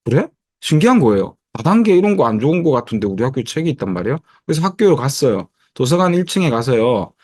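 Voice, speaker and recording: Lively middle-aged man telling his story. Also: mid-range voice, quick pace, dry recording, clean studio sound. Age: 50s. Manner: lively storytelling with many fillers, acting out past dialogue. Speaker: network marketing presenter. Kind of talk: motivational presentation over a video call.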